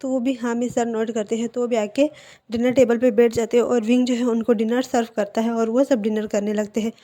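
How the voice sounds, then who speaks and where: A woman casually narrating a fan-fiction story, linking scenes with relaxed fillers. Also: a little high, fairly quick. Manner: casual, retelling with connecting fillers.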